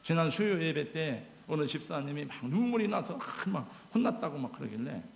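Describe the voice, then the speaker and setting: Gravelly-voiced pastor preaching in an echoing church. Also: male voice, fairly high pitch, animated, brisk. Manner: emotional, exhorting. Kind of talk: sermon. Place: church sanctuary. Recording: echoey church hall.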